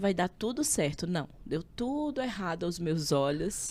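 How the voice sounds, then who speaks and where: A woman's fairly low voice with a northeastern Brazilian accent at a fairly slow pace. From Northeast Brazil, Maceió, Alagoas. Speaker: pastor and author. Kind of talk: podcast interview.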